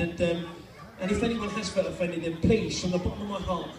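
A man talks at a very fast pace with noticeable background noise behind him. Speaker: tribute comedian. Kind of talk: stand-up comedy routine. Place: stage.

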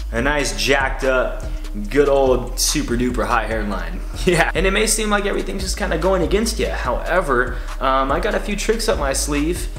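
Faint music plays in the background as a man speaks with audible room echo. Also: moderate pace. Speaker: hair style vlogger. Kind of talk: casual vlog chat. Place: studio.

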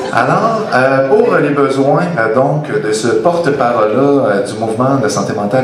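Over light background noise and audible room echo, a man with a fairly high pitch speaks with lively intonation. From Quebec. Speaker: slam poet. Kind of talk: casual talk to audience. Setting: live stage show. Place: stage.

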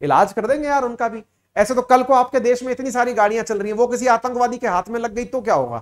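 Extremely high for a man, his voice has an animated tone and runs with hardly any pauses. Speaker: online exam-prep teacher. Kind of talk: lecture. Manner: animated, conversational.

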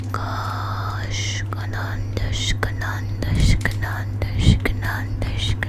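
The sound is dry, with no echo, though loud background noise is present. A woman speaks at a very slow pace. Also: hardly any pauses. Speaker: ASMR creator. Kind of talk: ASMR whisper with mouth sounds and trigger words.

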